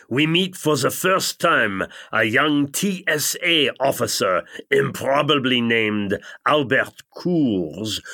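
A man's voice: medium pitch, bright, forceful tone, full character voice. A man playing a pompous, disdainful European intellectual who narrates a comic retrospective in scornful, wordy style. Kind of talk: scripted mock-retrospective narration.

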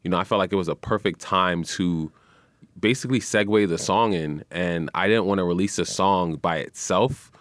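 In a dry studio recording, a young guest musician and radio personality speaks at a moderate pace in a deep voice. The interview chat is casual, and his easygoing manner is full of "man" and "you know."

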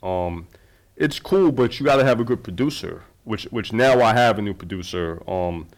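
A man's voice: fairly low pitch, lively intonation, moderate pace. A man, a documentary filmmaker, talking casually in a conversation, loose and rambling with many fillers and restarts.

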